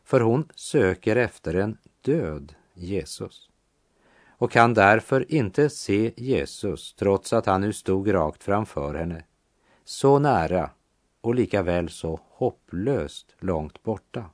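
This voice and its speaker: A man preaching a sermon on a Bible passage in a calm, measured way, slowing down to stress key phrases. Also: on the low side, dry recording, clean studio sound.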